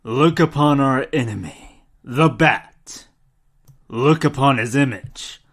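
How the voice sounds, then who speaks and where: A man's voice: mid-range voice, slow. A man acting a sinister, grandiose elder of a secret cult in a radio drama, solemn, incantatory and menacing. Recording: music under the voice.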